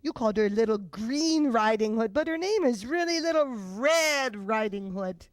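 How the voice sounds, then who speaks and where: A woman's voice: on the high side, expressive, moderate pace, no echo, studio quality, natural voice. A woman voicing a bossy, exasperated childish puppet who corrects others in a children's puppet show, emphatic and insistent.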